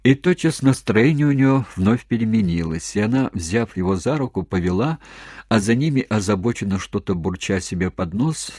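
A male audiobook narrator with a lowish voice, reading a literary novel at a steady, measured pace. The recording is dry and close, with no room sound. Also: dry recording.

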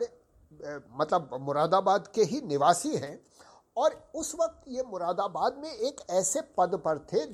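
An older man from Uttar Pradesh, India, hosts a podcast in a high voice that sounds sore and hoarse. He tells a story slowly and reminiscently, speaking formally and courteously and calling his listeners sahib.

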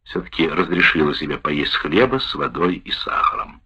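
A man reading a wartime memoir aloud in the first person, with a measured, expressive delivery. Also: a bass voice, a little hiss or hum. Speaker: narrator. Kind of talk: audiobook narration of a wartime memoir. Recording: dull lo-fi recording.

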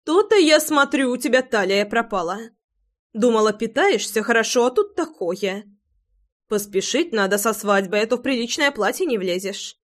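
A woman's voice: fairly high pitch, expressive, normal speed, close to an everyday voice. A woman reading an audiobook, voicing a fussing, easily upset middle-aged mother who pleads and frets. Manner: pleading, fretful.

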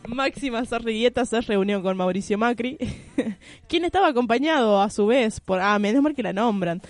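A woman's voice: a little high, normal speed, dry recording. Laughing Argentine woman radio host. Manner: mocking, reads news aloud with frequent laughter. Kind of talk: satirical news reading on radio.

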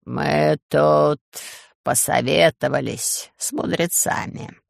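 A man voicing a sly, soft-spoken male tyrant ruler in an audiobook, speaking slowly in a hushed, purring way. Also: on the high side, steady tone, vocal fry, no room sound, clean studio sound, heavily acted. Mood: silky menace. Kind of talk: audiobook character voice.

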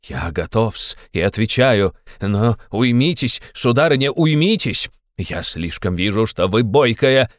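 A man's voice: fairly low pitch, lively intonation, a little slow, no room sound, studio quality. A man voicing a pompous, fussy middle-aged official who adds old-fashioned deferential endings to his words. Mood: pompous reproach.

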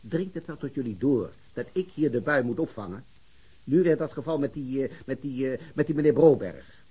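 An actor playing an anxious, indignant police superior in a Dutch radio drama, reproachful and authoritative. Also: male voice, medium pitch, animated, moderate pace, warm tone, breathy edge.

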